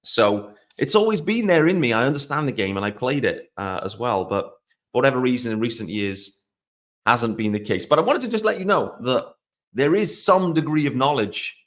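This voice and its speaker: A man's voice: mid-range voice, animated, normal speed, a bit bright. Rambling Welsh man hosting a podcast. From South Wales. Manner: rambling, conversational, self-deprecating. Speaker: podcast host. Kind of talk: casual solo podcast talk.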